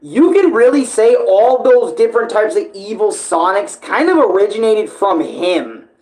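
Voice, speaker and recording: An American streamer giving casual, rambling fan commentary in an emphatic, conversational way, with slang and swearing; the voice sits at a pitch between typical male and female ranges. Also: very animated, unhurried, a little mellow, low-quality recording. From United States (Phoenix). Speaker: streamer and video creator.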